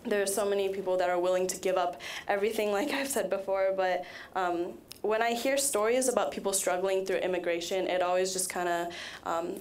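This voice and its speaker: Teen girl reading her speech, earnest, lots of ums, mid voice. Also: mid-range voice. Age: teens. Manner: earnest, with frequent fillers. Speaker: student speaker.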